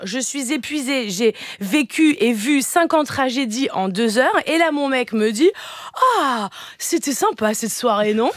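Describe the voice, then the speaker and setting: A woman delivering a comic column into a studio microphone, playful and theatrical. Her voice sits high and bright in pitch, and the sound is dry and close. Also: no room sound. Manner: playful, theatrical, quick jokes. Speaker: resident comedian columnist. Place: radio studio.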